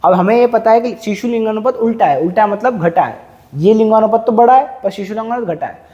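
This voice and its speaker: A man's voice: high-pitched, fast talker, mellow, dull audio. A man teaching a classroom lecture, quizzing students and drilling numbers through repetition.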